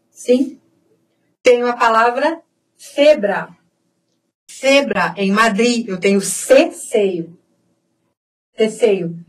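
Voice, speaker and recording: Brazilian Portuguese-accented female lecturer, very slow and deliberate, repeats sounds and checks in often. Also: fairly high pitch, rough recording. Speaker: university Spanish teacher. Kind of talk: recorded lecture on Spanish pronunciation.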